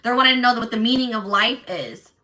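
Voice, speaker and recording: A woman with a strong, loud voice giving a casual tarot reading to viewers in an assertive, emphatic, repetitive manner. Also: a little high, fast talker, far from the mic. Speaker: tarot reader and channel host.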